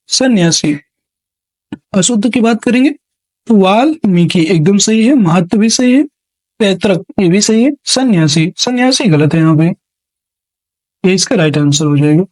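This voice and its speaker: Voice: mid-range voice, darkish tone, no echo. Dry-voiced exam-prep teacher drilling answers. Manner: reads each option aloud, repeats words and names the correct answer. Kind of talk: classroom lesson on spelling questions.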